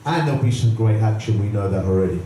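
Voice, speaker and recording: A man's voice: on the low side, animated, quick pace, dark tone, a little hiss or hum. A man hosting a boxing press conference, chatty and promotional, putting questions to the fighters. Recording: echoey room, distant mic.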